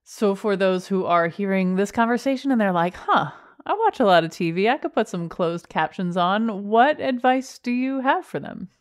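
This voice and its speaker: A woman hosting a podcast, talking in a conversational way with quick asides. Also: mid-range voice, lively intonation. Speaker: host.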